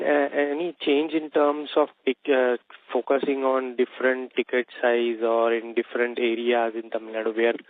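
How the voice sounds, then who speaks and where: A man with an Indian accent putting questions as an analyst on a conference call. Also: medium pitch. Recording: dry, narrow phone line.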